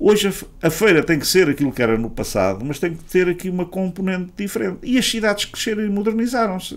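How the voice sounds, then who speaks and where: A man talks very fast at a high pitch with lively intonation and hardly any pauses. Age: 60s. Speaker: regular radio commentator. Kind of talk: radio debate discussion.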